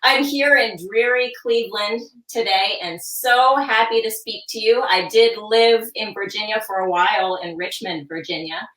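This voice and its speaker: Hoarse bright-voiced woman in echoey room. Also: mid-range voice, normal speed, few pauses, recorded from a distance. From Hudson Valley, New York. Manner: upbeat, storytelling. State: hoarse, groggy. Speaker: children's book author, guest. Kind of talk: chatty interview answers.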